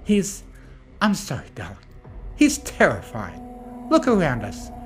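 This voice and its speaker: A refined lady unicorn, put on by a narrator, theatrical and fastidious, with a lively, swooping delivery. It is a storybook cartoon reading over music. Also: mid-range voice, voice pushed up. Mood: delicate concern. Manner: genteel, theatrical, says darling.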